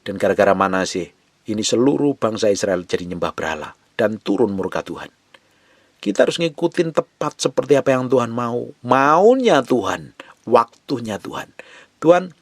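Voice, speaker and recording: Impassioned pastor preaching up close. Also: male voice, medium pitch, no echo. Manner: swings from loud urgent exhortation to soft hushed pleading. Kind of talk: sermon.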